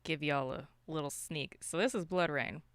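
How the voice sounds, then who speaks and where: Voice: medium pitch, normal speed, a bit bright, clear, resonant tone, no room sound. A podcast co-host chatting casually, with slangy, exclamatory interjections. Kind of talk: casual chat and reactions.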